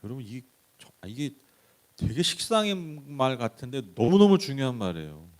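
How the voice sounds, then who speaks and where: A male pastor giving a conversational Bible-study sermon, swinging from loud emphatic lines to soft hushed ones, with chuckles and frank asides. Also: mid-range voice, big pitch swings, moderate pace. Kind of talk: Wednesday Bible exposition sermon. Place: church.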